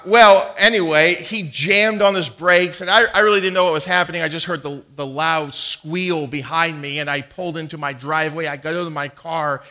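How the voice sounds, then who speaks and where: A man preaching from the pulpit of a church, his voice bright and ringing, a little higher than most men's. He takes his time, leaning into key phrases and restarting sentences as he tells a story to his congregation. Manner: storytelling preacher, emphatic, with frequent stammered restarts. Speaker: pastor. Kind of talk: sermon. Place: church sanctuary.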